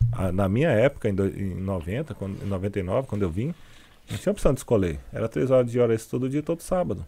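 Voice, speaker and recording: A man with a dark, mellow tone and a fairly low pitch talks at a fairly quick pace, his pitch swinging very widely. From Brazil. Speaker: entrepreneur. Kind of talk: casual interview. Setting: live video stream.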